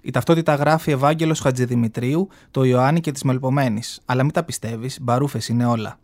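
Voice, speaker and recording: A man's voice: mid-range voice, darkish tone, lightly acted. A man reading aloud from a novel in the voice of an aging, flamboyant gay man who tells his story in a sassy, mocking way, in a radio studio.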